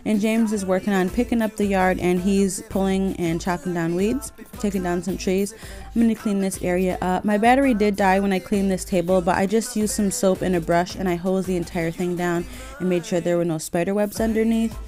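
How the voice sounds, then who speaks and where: Chatty young mom, candid vlog voice. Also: female voice, mid-range voice, steady tone, brisk, warm tone, soft background music. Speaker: vlogger, mom. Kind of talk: casual vlog chat and voice-over. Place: car interior.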